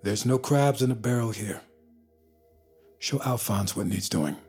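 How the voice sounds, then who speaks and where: A man's voice: lowish voice, a little slow, vocal fry, a little mellow, breathy edge, faint music behind, full character voice. An actor in an audio drama playing a mercurial male sorcerer who gives orders in a commanding, fussy way. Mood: bossy.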